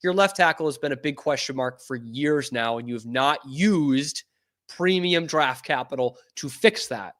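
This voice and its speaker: A man from New England hosting a sports show, talking casually and getting excitable and profane. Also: mid-range voice, a little slow.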